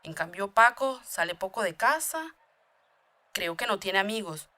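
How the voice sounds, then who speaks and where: A woman's voice: medium pitch, big pitch swings, unhurried, bright, forceful tone. A woman reading a scripted chatty dialogue for a beginner language lesson.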